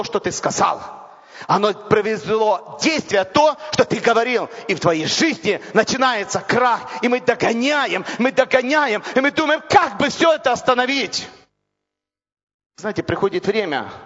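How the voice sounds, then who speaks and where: A man preaching a sermon with impassioned, repetitive build-ups that rise to shouts. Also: high-pitched, slightly rough. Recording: dull lo-fi recording in a reverberant hall.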